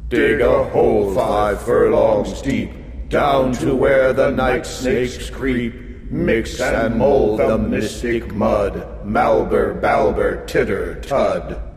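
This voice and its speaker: A man voicing a band of sinister male magicians, chanting a slow rhythmic spell with heavy reverb. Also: lowish voice, steady tone, a loud crowd. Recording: long echoing hall reverb.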